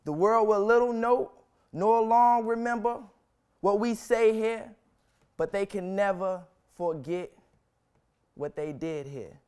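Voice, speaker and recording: High-voiced young man, slow solemn oratory. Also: darkish tone, clear, resonant tone. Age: young adult. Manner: deliberate, emphatic phrasing with long pauses. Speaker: student speaker reciting a historic speech. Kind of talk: solemn dramatic public oratory.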